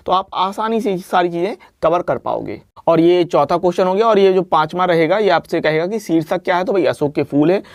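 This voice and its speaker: A man's voice: high voice, no room sound, studio quality. A man teaching an exam-prep lesson, explaining answers step by step and often checking in with the listener. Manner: explanatory, repeats "ठीक है ना" often.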